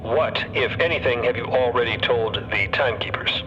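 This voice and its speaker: A man's voice: medium pitch, normal speed, over music. An actor playing a stern, officious, easily flustered male commissioner in an audio drama, speaking formally over a radio link. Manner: formal, clipped, bureaucratic. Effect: radio transmission filter. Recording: muffled, noisy radio transmission.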